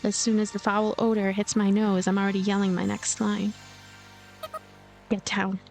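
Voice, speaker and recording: A woman reading a game's story aloud as a let's play host, with expressive narration and casual asides. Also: mid-range voice, fairly quick, gravelly, soft background music. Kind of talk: voiced narration with casual commentary.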